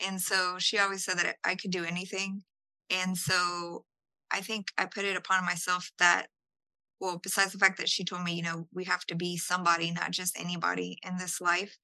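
A woman's voice: on the low side, completely flat delivery, moderate pace, sharp tone, no room sound, poor audio. A woman guest on an interview podcast, answering in a chatty way with restarts and casual fillers. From El Salvador, raised in Houston.

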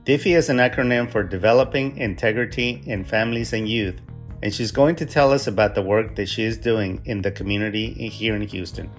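A man hosting an interview podcast, reading a formal scripted intro and then asking questions in a measured way. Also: lowish voice, faint music behind. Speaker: podcast host.

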